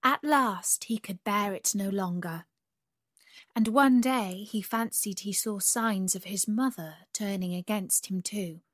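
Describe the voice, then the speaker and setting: A woman reading a fairy tale aloud as storyteller, in an unhurried, soft and even manner. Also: mid-range voice, no room sound.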